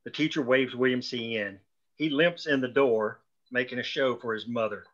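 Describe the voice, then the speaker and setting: Bright-voiced man reading stage directions. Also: medium pitch, moderate pace. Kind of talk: scripted narration at a table read. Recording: dull, lo-fi call audio.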